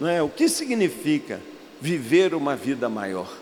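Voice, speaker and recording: The man talks at a very slow pace in a high pitch, with very wide pitch swings. Noticeable background noise and audible room echo fill the recording. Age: 60s. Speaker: pastor. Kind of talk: sermon.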